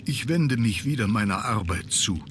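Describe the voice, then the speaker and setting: Man playing a dutiful butler, lively intonation. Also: lowish voice, a little hiss or hum, natural voice. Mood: deferential. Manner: formal, servile, measured. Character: dutiful, deferential male butler of a manor. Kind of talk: scripted video game acting.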